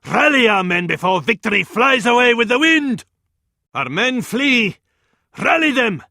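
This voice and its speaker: In theatrical video game voice acting, a man plays a fervent Arab military advisor in a strategy game, addressing a sultan with urgent alarm in an ornate, dramatic, proverb-laden delivery. His Arabic-accented voice sits high and rings out bright and forceful, with big pitch swings, a measured pace and some creak, in a full character voice. The recording is very dry and close, with no room sound.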